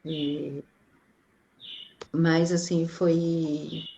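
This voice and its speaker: Woman in her 40s, lowish creaky voice, lots of "né", slight hiss behind. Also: flat delivery, extremely slow, mellow, dull audio. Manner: reflective, many fillers like "né" and "assim". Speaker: interviewee. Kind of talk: casual conversational interview. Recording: faint background noise.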